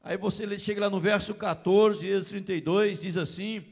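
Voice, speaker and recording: A man preaching a fervent sermon that rises to shouted, pleading prayer. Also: high voice, steady tone, fairly quick, creaky. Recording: long reverberant hall.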